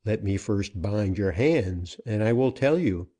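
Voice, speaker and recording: A man's voice: on the low side, animated, unhurried, warm tone. A man voicing a stern male frontier hero who grimly mocks his captive.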